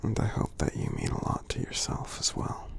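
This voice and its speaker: A man voicing a friendly, gentle giant in an ASMR roleplay, tender and encouraging, in a breathy, gravelly whisper with slow, soothing, halting delivery. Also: a little hiss or hum, natural voice. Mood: affectionate. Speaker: ASMR performer.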